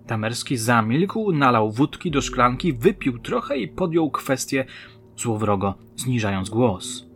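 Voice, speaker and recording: A man with a mid-pitched voice reads his crime story as scripted narration, measured and dramatic in its pacing. There is a faint hiss under the voice. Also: big pitch swings, fairly bright tone. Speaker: author and narrator.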